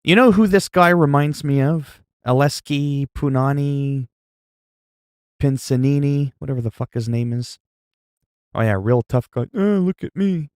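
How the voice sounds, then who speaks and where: A man hosting a livestream, chatting loudly in a mock-stern, profane way with quick swings in volume. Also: mid-range voice, no echo, studio quality. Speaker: livestream host. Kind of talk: casual livestream chat.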